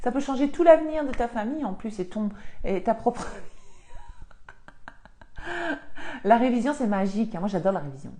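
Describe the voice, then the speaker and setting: A woman's voice: a little high, expressive, moderate pace, pauses often, mellow. A woman, chatting on a live stream from her home office and answering viewer comments as a spiritual coach. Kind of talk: casual live-stream chat.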